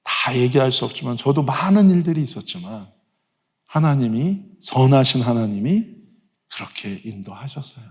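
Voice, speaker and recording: A man preaching as a guest pastor, leading the congregation in call and response and telling stories in an animated way. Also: medium pitch, normal speed. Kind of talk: sermon. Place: church sanctuary. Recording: long church hall reverb.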